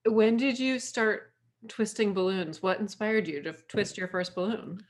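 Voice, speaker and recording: A woman's voice: medium pitch, unhurried. Woman podcast host, casual chat. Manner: friendly, laughs while talking.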